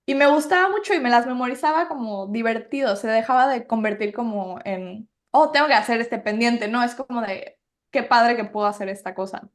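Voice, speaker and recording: A young woman with a Mexican Spanish accent talks as a podcast guest, animated and chatty. Her voice sits a bit high, and she leans on fillers as she tells her stories. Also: brisk. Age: young adult. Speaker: guest actress. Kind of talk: casual podcast chat.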